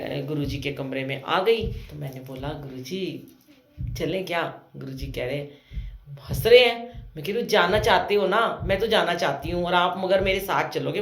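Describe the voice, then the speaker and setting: A woman's voice: sits low, a bit bright. Chatty woman telling a devotional story. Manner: chatty, fillers, acts out family dialogue. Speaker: satsang storyteller. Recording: roomy echo.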